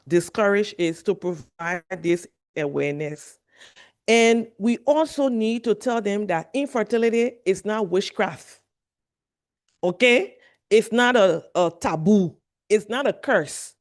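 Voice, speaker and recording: A woman from Liberia giving a health presentation to journalists, earnest and repeating her key points. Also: mid-range voice. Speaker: medical speaker at a journalist training.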